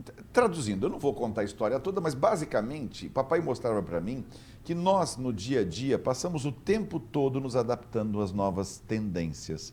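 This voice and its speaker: Speaking at a moderate pace, a man with a medium pitch makes very wide pitch swings. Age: 60s. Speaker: cultural institute director. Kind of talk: web talk show interview.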